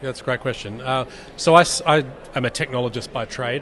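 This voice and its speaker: With an Australian accent, a man talks very fast in fairly even intonation against noticeable background noise. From Australia (Sydney). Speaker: tech executive. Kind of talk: interview. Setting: live at a tech summit.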